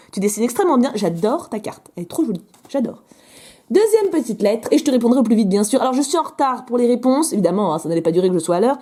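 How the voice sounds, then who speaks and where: A woman opening fan mail in a casual vlog, chatty and gushing, her voice still rough from being sick. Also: fairly high pitch, dark tone. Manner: chatty, gushing over drawings, interrupts herself. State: recovering from illness, voice a bit rough.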